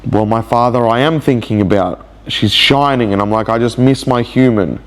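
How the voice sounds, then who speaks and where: A male vlogger, nose clogged from a cold, talks through a personal video diary at medium pitch. His delivery is slow, halting, and introspective, with many false starts.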